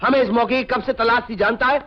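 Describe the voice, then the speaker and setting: An actor playing a domineering village landlord who scolds and barks orders in an old film. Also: male voice, very high voice, steady tone, fast, dull audio. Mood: scolding. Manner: bossy, scolding, barking orders. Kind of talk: 1980s film villain acting.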